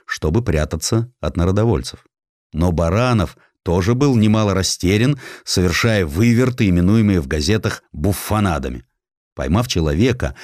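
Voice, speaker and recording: A man's voice: deep voice, darkish tone, no echo, clean studio sound. A man narrating historical sketches as an audiobook, reading expressively with a theatrical storytelling manner. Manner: theatrical storytelling, acting out quotes.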